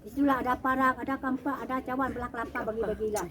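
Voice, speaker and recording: An older woman telling what she saw as an eyewitness, animated and acting out the cries and calls of others. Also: sits high, very fast. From Aceh, Indonesia. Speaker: tsunami eyewitness speaking to visitors. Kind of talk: emotional eyewitness storytelling. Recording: crowd of listeners around. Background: crowd.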